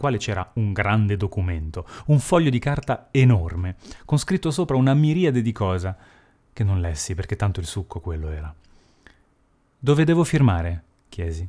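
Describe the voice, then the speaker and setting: A man with a fairly low pitch and a dark, mellow tone speaks at a moderate pace with lively intonation, on a very clean recording with a silent background. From France and Italy. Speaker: actor. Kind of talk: personal storytelling.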